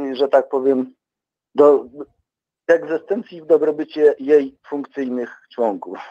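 In a dry, close recording with no echo, a man with a fairly high pitch and a dark, mellow tone talks at a fairly slow pace. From rural Poland. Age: 50s. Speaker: caller. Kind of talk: phone-in discussion.

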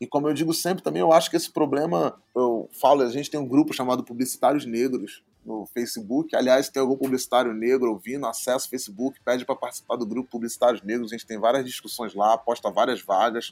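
Hardly pausing, a man speaks at a very fast pace. His pitch is medium, with ordinary variation. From Niterói, Rio de Janeiro, Brazil. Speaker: advertising copywriter. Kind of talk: casual interview.

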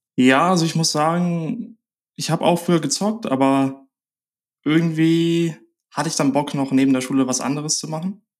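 A man speaks at a fairly high pitch. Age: 20s. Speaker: social media agency founder. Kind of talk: casual interview.

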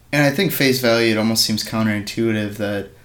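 Audible room echo around a man's voice, medium in pitch, with ordinary pitch variation. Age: 20s. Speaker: podcast host. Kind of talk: casual chat. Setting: home bedroom.

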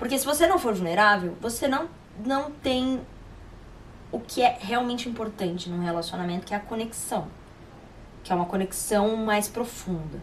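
Amid noticeable background noise, a woman speaks at a moderate pace in an animated tone with lively intonation, leaving long, frequent pauses. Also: fairly high pitch for a woman. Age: 20s. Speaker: podcast host. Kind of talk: solo casual monologue. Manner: talkative, animated.

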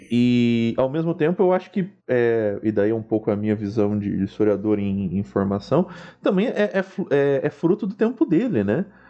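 A man talks at a moderate pace at a medium pitch. His dark, mellow tone rises and falls in very wide pitch swings. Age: 30s. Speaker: podcast host, history student. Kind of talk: casual interview chat.

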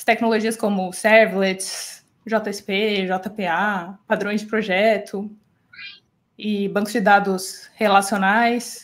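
A woman talks very slowly, her voice pitched fairly high. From Santa Catarina, southern Brazil (Criciúma). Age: 30s. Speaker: software engineer. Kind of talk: casual interview.

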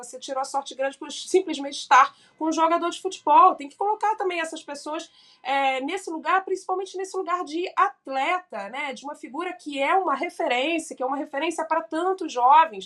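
Fairly quick pace with big swings in loudness. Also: woman, extremely high pitch for a woman, ordinary pitch variation. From Rio de Janeiro, Brazil. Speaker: podcast host, sociologist and psychoanalyst. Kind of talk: interview.

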